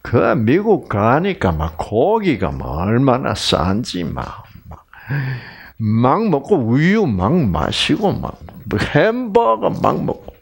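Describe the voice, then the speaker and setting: An older man from Korea lecturing on health in a lively, rambling way. His gravelly, husky voice swings widely in pitch. He talks slowly and keeps checking in with his listeners. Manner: chatty, animated, frequent fillers and asides to audience. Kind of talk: health lecture with personal stories.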